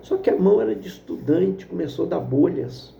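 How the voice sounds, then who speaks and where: Brief: male preacher, vivid storyteller, slightly high voice, dull lo-fi sound. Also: lively intonation, a little fast, vocal fry, warm tone, a little hiss or hum. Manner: vivid storyteller, addresses listeners as brothers. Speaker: pastor. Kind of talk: storytelling sermon. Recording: echoey dull lo-fi room.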